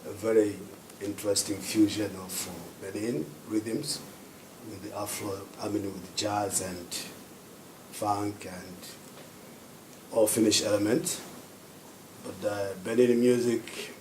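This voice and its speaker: A man from Tanzania, speaking unhurriedly as a panelist at a symposium and pausing often to find his words. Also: fairly low pitch, steady tone, darkish tone. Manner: unhurried, searching for words with many pauses. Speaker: panelist, festival director. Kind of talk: panel discussion talk. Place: symposium hall. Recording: roomy hall with background noise.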